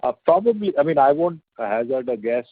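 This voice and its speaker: A male company executive giving halting, measured, hedging answers on an earnings call over a conference phone line. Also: medium pitch, very animated, husky, no room sound.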